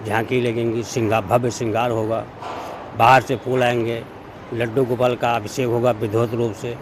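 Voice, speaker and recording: A man's voice: medium pitch, level tone, normal speed. A man listing his family's festival plans item by item. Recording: outdoor street noise.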